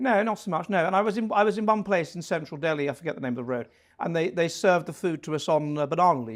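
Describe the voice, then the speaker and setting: A man with a high pitch talks at a very fast pace in a very clean recording with a silent background. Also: lively intonation. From southwest London, Wimbledon. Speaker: academic author, professor. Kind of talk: casual interview chat. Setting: outdoors with a view, southern Spain. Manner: halting, many repeated words.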